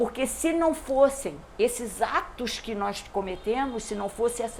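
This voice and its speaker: At a fairly slow pace, a woman speaks in a high pitch with audible room echo. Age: 60s. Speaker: spiritist lecturer. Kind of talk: lecture. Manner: halting.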